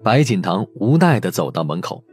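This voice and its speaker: A man's voice: low-pitched, big pitch swings, moderate pace, darkish tone, faint music behind. A man reading a novel aloud as a dramatic audiobook narrator.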